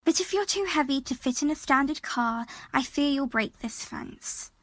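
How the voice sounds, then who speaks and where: Woman acting an anxious, high-voiced heist partner. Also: lively intonation, normal speed, dry recording. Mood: wary, dry. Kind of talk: audio drama acting.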